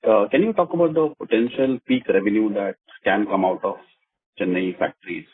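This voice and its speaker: A man's voice: fairly low pitch, fairly quick, husky. An Indian man speaking as an analyst, politely and somewhat tentatively asking questions on an earnings call. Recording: muffled, narrow phone line.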